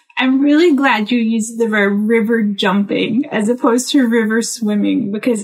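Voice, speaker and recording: Fairly high in pitch, a woman's voice comes across as somewhat breathy. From southeastern Kentucky, Appalachia. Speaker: conservation biologist. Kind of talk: interview conversation.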